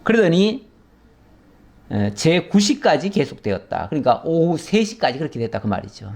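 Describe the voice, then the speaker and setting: A man's voice: on the high side, sing-song, normal speed, vocal fry, darkish tone. A middle-aged male pastor giving a verse-by-verse Bible lesson, briefly acting out the voices of mockers as he explains. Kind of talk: Bible teaching sermon.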